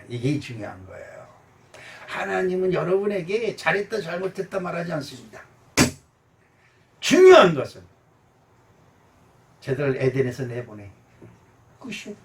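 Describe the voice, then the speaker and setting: A male pastor giving a sermon, animated, swinging from shouts down to quiet murmurs. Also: sits high, distant mic.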